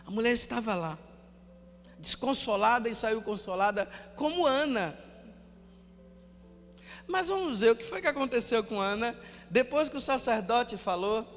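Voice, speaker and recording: High-voiced Brazilian priest in a big echoing hall. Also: male voice, lively intonation, normal speed, long pauses, faint music behind. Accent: Brazilian Portuguese. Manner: storytelling, repeats words for emphasis, drops to a hush. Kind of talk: sermon.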